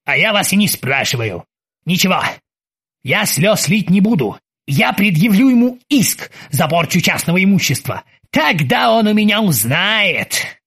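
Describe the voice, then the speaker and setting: A woman's voice: medium pitch, very animated, unhurried, a bit bright, breathy edge, full character voice. A woman voicing an irritable, self-pitying male ship captain who rants in exclamations. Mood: grumbling. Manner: exclamatory, ranting.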